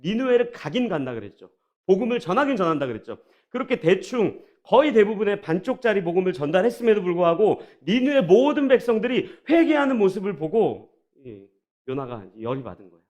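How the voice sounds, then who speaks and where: Man, pastor, preaching a sermon, high voice, animated pitch, rhetorical questions, addresses congregation. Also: fairly quick. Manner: draws the congregation in, addressing them directly.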